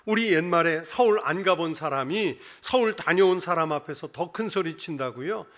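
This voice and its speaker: Pastor, man, middle-aged; earnest sermon delivery in a high register, direct appeals to listeners. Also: expressive, moderate pace, fairly bright tone. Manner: earnest preaching, repeated direct address to the congregation.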